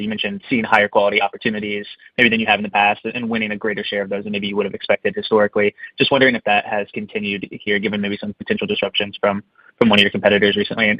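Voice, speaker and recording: Rapid, even-toned male analyst. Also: lowish voice, no echo. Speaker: financial analyst asking questions. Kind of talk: earnings call questioning. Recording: dull, muffled conference call audio.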